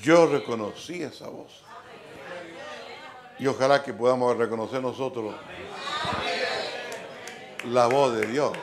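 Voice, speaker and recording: A man's voice: medium pitch, slow, pauses often, crowd noise. A Chilean pastor, a man, preaching a sermon in an emphatic style, dropping in frequent amens. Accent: Chilean Spanish.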